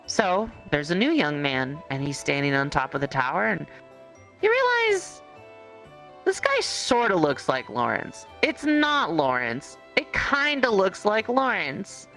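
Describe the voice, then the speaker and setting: A game master with a gravelly, mid-pitched voice narrates an improvised roleplay story. The telling is conversational and halting, addressed straight to the player. Faint music plays behind the voice. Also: huge pitch swings, fairly bright tone.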